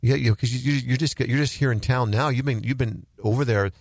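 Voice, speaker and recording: A man's voice: mid-range voice, quick pace, no echo. A man hosting a Christian talk radio show, speaking earnestly and emphatically, often repeating words for stress. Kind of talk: casual Christian radio chat.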